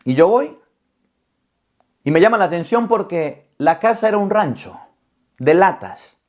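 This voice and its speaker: Animated priest telling a story. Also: male voice, high voice, a little slow. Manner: animated storyteller, acts out quoted dialogue. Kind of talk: storytelling homily.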